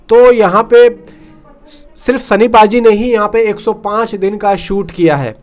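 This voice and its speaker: Male film news host, high voice, chatty and informal, talks straight to viewers as pals. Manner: chatty, addresses viewers as brother and friends.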